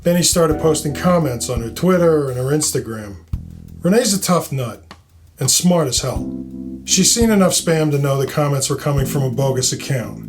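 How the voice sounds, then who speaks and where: A middle-aged male police detective from New York, acted out by a male narrator, blunt and full of smartass remarks. His voice sits on the high side, in the style of a fiction podcast with music around it. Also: animated, normal speed, close to an everyday voice. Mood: concerned. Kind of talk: audio fiction character dialogue.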